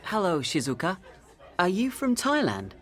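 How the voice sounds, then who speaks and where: A man voicing an adult man who asks slow, clear questions with a falling tone at the end. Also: high voice, huge pitch swings, a bit bright, some chatter behind, pitched above the performer's own voice, heavily acted. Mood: friendly. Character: adult man named Jake, friendly questioner.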